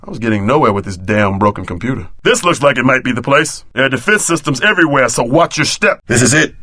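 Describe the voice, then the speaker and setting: An actor playing a streetwise, wisecracking tough sidekick in a video game, wry and wary, with slangy delivery. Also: male voice, mid-range voice, expressive, fast talker, bright, forceful tone, no echo, studio quality. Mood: casual, alert.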